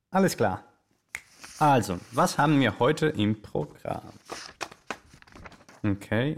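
A man playing a showy, chatty Yugoslav radio host who charms and coaxes his listeners in a theatrical show. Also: medium pitch. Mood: upbeat, inviting.

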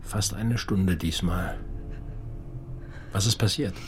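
An actor playing a caring, middle-aged bartender in a radio play, laconic and gentle in manner. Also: male voice, deep voice, takes it slowly, slight background noise. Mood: calm, caring. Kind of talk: intimate radio play acting. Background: music.

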